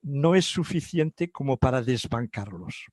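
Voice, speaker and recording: A man's voice: medium pitch, expressive, measured pace, darkish tone, dry recording. Older Catalan-native male guest, hesitant and full of restarts, dry close mic. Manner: hesitant, many fillers and restarts. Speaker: guest psychologist. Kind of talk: interview answers.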